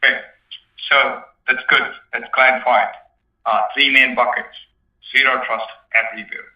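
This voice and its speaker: A man's voice: mid-range voice, flat delivery, moderate pace. Distant, echoey male executive on a call. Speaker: company executive answering analysts' questions. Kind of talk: spontaneous business explanation on an earnings call. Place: conference call. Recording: roomy, distant, dull conference-call audio.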